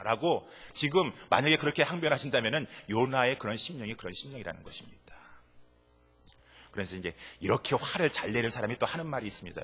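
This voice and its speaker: Bright, husky male pastor preaching. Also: medium pitch. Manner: emphatic, dramatic swings between loud and hushed. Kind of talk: sermon. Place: church sanctuary. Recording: reverberant church hall.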